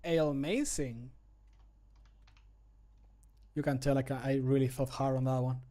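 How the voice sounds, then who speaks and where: At a computer desk in a room at home, a streamer records voice lines for a game mod on a desk microphone, chatting casually and mocking himself as he judges each take. He talks through every retake. His warm, mid-range voice is fairly even in intonation and a little slow.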